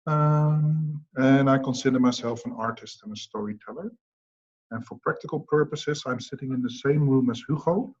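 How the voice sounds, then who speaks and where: A man's voice: mid-range voice, moderate pace, darkish tone, dull audio. A man from the Netherlands with a Dutch accent, introducing himself chattily on a video call.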